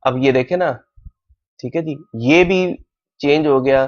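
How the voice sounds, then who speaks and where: A man teaching Korean on a whiteboard, who repeats words slowly and keeps asking "thik hai". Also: on the high side. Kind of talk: whiteboard lesson explained in Urdu/Hindi. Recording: dull lo-fi sound.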